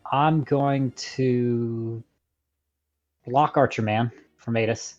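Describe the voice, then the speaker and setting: A man's voice: medium pitch, steady tone, extremely slow, darkish tone, highs cut off. A man playing a tabletop role-playing game, chatting casually, thinking aloud hesitantly and joking.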